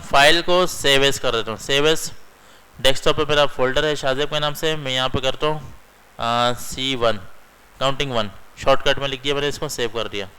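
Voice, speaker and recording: A young man teaches a computer lesson in a screen recording, speaking in a somewhat high, sharp, clear and resonant voice, though the recording is rough. He walks through every step and keeps checking in with his students by saying "theek hai."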